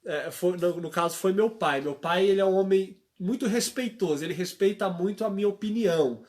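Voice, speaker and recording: A man's voice: high voice, brisk, darkish tone. A young man, a church worker, giving a religious testimony on a live stream, telling stories and asking rhetorical questions like a preacher. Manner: storytelling, acts out quoted voices.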